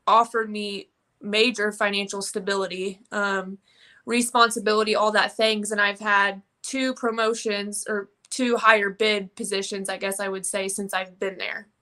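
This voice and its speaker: Bright-voiced young woman from Indiana. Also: mid-range voice. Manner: earnest, frequent "um" fillers. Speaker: interview guest. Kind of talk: personal story in interview.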